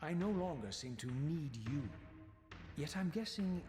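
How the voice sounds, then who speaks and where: A man voicing a proud, bitter, eloquent undead wraith in a gothic video game, with formal, measured, sardonic diction over music. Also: fairly high pitch, animated, a little mellow. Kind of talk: theatrical gothic video game narration and dialogue.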